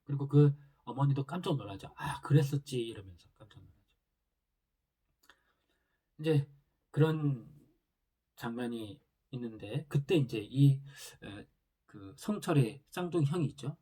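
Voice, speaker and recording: Guy casually recapping a drama plot, lots of fillers, mellow husky voice. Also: mid-range voice, lively intonation, unhurried, pauses often. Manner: loose retelling with many fillers. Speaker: drama reviewer.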